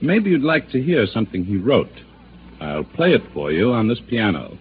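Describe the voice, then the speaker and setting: A man's voice: lowish voice, very animated, normal speed. A man voicing a stern college professor who lectures and scolds two students, in 1940s radio acting. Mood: scolding. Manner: lecturing, reproachful. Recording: tinny old radio broadcast with hiss.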